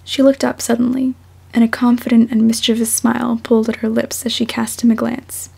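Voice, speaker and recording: Young female amateur fiction reader. Husky, creaky, soft-spoken, unhurried. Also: fairly high pitch, completely flat delivery. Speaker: fan fiction author and podfic reader. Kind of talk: audiobook-style story narration, then casual self-conscious chat.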